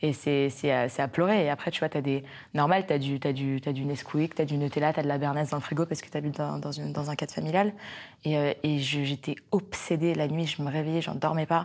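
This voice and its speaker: A woman's very deep, low voice at a fairly quick pace with fairly even intonation. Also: very clean recording, silent background. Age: 20s. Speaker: social media content creator. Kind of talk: interview. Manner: halting.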